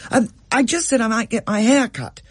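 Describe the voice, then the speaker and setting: A man voicing a quick-witted teenage schoolgirl who mutters slyly and covers up with innocent answers. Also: very high voice, husky, dry recording, pitched above the performer's own voice. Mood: falsely innocent. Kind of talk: storybook reading, radio thriller.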